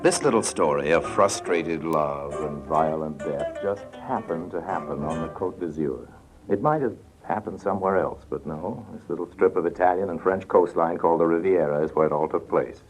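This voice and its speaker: A man's voice: low voice, moderate pace, music in the background, lightly acted, low-quality recording. An actor playing a cynical male con-man smuggler who narrates his own story with wry, confiding remarks, in 1950s radio drama style. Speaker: narrator and lead character. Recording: old radio broadcast with faint hiss.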